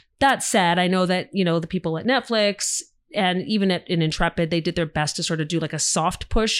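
In a very clean recording with a silent background, the speaker talks with a Canadian accent in an animated tone, at a fairly quick pace with ordinary pitch variation. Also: woman, fairly low pitch for a woman. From Alberta, Canada. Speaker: actress. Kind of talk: interview.

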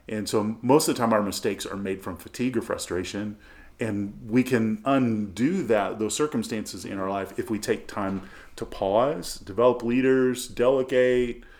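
Audible room echo surrounds speech that goes at a moderate pace, with pitch varying in an ordinary way. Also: man, medium pitch for a man. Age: 50s. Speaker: podcast co-host and pastor. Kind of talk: casual chat. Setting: in person at a church conference.

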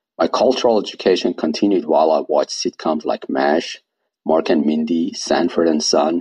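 With a Persian accent, a man speaks at a moderate pace in a dry, close sound with no echo. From Iran. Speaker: research engineer. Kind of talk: reading aloud.

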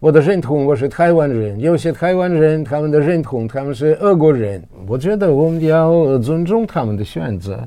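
A man with a Russian accent speaks with hardly any pauses, his pitch fairly high and his intonation lively. His tone is dark and mellow. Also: moderate pace. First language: Russian (speaking Chinese). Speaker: professor. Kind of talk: radio interview. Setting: studio. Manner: halting, many fillers.

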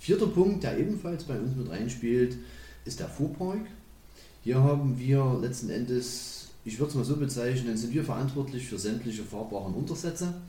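Medium-pitched male speech with lively intonation and a moderate pace, in a room with audible echo. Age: 30s. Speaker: head of construction and IT department in elderly care company. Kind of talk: podcast interview. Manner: formal.

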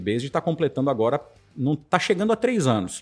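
A man at a fairly high pitch, very fast, with very wide pitch swings, on a very clean recording with a silent background. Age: 40s. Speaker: franchise founder. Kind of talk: interview.

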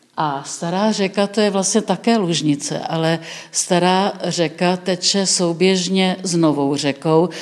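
A woman talks at a fairly slow pace and with fairly even intonation while noticeable background noise carries on. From South Bohemia, Milevsko. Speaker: retired archivist and museum volunteer. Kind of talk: casual interview and museum guided tour. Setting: town museum in old town hall.

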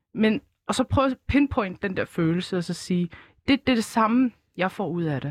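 A woman in an ordinary speaking voice, lively in intonation, at a moderate pace, with a dry, close sound, no echo and a quiet background. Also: medium pitch for a woman. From Morocco, raised in Denmark from age 6. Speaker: painter and educator. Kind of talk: casual chat. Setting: studio.

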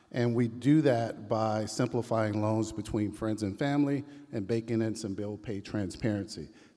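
Speaking with an American accent, a man with an ordinary speaking voice talks at a moderate pace with fairly low pitch, fairly even intonation and hardly any pauses. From US South.

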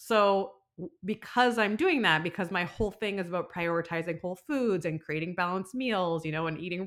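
Lively intonation marks a woman's medium-pitched delivery at a fairly quick pace. It's a normal speaking voice. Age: 30s. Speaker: nutritionist and food blogger. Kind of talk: interview.

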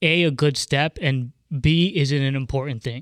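A man with a normal speaking voice at a moderate pace, fairly even intonation, and a very clean recording with a silent background. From Toronto, Canada. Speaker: hip-hop artist. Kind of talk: question to host.

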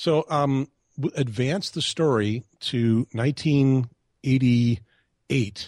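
At a very slow pace, the voice shows ordinary pitch variation. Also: man, medium pitch for a man. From US Midwest, Chicago. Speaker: amateur radio video podcaster. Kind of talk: interview. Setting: remote call-in to live show.

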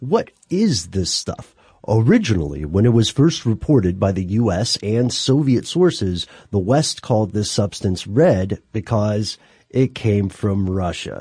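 Over a quiet background, a man speaks at a fairly slow pace with lively intonation. His fairly low voice is somewhat breathy, with a dark, mellow tone. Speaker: podcast co-host. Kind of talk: casual chat.

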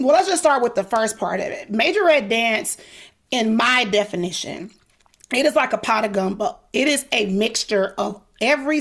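A woman with a Mississippi accent speaks in an animated tone at a moderate pace. Her pitch is fairly high, with ordinary variation. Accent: Southern US, Mississippi. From US South, Mississippi. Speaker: dance coach and studio owner. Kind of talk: interview.

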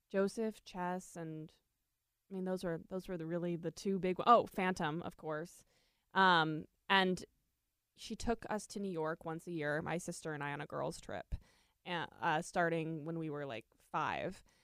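Using a plain, everyday voice, a woman with an American accent speaks fairly slowly at a fairly low pitch with ordinary pitch variation. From South Florida. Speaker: Broadway actress. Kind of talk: casual interview chat.

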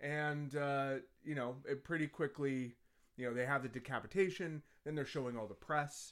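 A man speaks at a moderate pace in an ordinary speaking voice. His pitch is fairly high, with ordinary pitch variation. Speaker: podcast co-host. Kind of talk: casual chat.

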